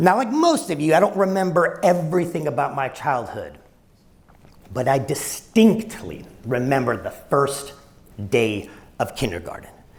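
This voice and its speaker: A man with an American accent and a fairly high pitch, an animated tone, very wide pitch swings and vocal fry, at a moderate pace with long, frequent pauses and audible room echo. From Los Angeles, US. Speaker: pediatric dentist. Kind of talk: lecture.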